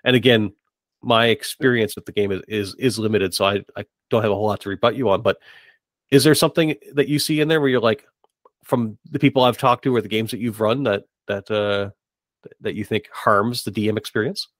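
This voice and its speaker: A man's voice: lowish voice, steady tone, fairly quick, fairly bright tone, no echo. A man hosting a podcast in casual interview chat, hedging and rephrasing his thoughts as he goes. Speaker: podcast host.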